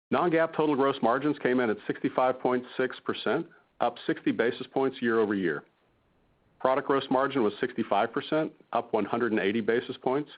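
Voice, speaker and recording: A man in the role of a finance executive reads a prepared earnings report in a formal, measured manner over a muffled conference call line. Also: mid-range voice. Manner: formal, measured reading of figures. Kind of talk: scripted earnings call presentation.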